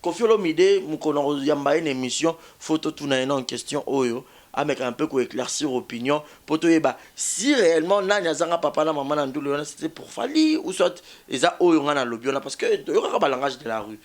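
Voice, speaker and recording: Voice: medium pitch, expressive, brisk. A co-host in casual chat, agreeing often and chiming in, mixing French with Lingala.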